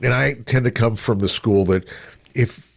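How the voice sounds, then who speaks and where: A man's voice: medium pitch, moderate pace, creaky. A mature man, a veteran radio personality and podcast guest, casually telling anecdotes and acting out his own lines. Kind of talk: casual conversational storytelling.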